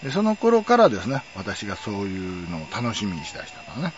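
A man's voice: on the low side, fast talker, highs cut off. A middle-aged man telling a personal story in a wry, chatty way. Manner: wry, chatty, lively intonation. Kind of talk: casual storytelling monologue.

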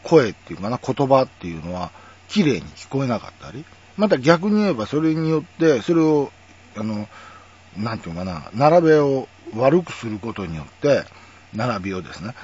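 Husky, lively-voiced man musing. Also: medium pitch. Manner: chatty, musing, lots of fillers. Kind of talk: casual spoken monologue. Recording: dull lo-fi audio.

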